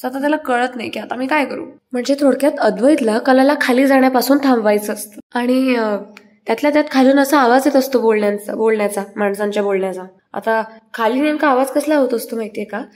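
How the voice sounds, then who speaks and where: A woman's voice: on the high side, quick pace, darkish tone. Chatty woman recapping a serial. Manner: chatty, repeats "then she says" links. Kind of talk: casual story recap narration.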